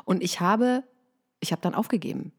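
A woman in her thirties co-hosting a casual chat, telling a story in a lively way and acting out the people she quotes. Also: on the low side, normal speed, slightly rough. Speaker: podcast co-host.

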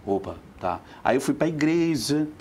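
A woman's voice: rumbling low, moderate pace, slightly rough. A woman, a vocal teacher talking expressively as a guest on a TV talk show. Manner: expressive and chatty, calls people "meu amor". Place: TV studio.

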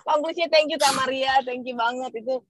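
A woman's voice: high-pitched, steady tone, brisk. A woman joining a video call, speaking casually and hesitantly with many restarts and fillers, thanking the speaker. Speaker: participant on call. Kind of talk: casual chat.

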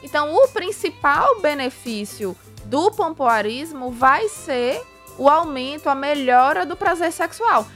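Guesting on a radio interview as a pelvic physiotherapy expert, a Brazilian woman walks through an exercise step by step. Her high, expressive, slightly bright voice moves unhurriedly over soft background music, chatty and didactic, full of tag questions and diminutives.

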